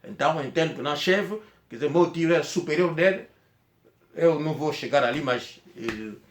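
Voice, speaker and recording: Angolan man whose first language is Kikongo, slightly high voice, halting vlog storytelling, echoey room. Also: expressive, slight background noise. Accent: Angolan Portuguese. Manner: rambling, halting, with frequent restarts. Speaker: vlogger. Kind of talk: personal storytelling to camera.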